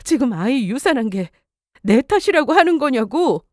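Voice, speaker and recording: A woman's voice: high voice, big pitch swings, normal speed, dry recording, clean studio sound. A woman playing a young wife who has just lost her pregnancy, emotional and indignant in a radio drama. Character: grieving young wife after miscarriage.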